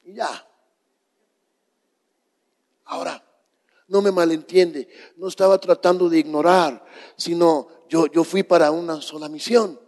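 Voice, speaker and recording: Man, pastor, preaching a sermon, slow deliberate delivery, reverberant church sanctuary. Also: a little high, steady tone, a little mellow. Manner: slow, dramatic storytelling to a congregation. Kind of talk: sermon storytelling. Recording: long reverb of a church hall.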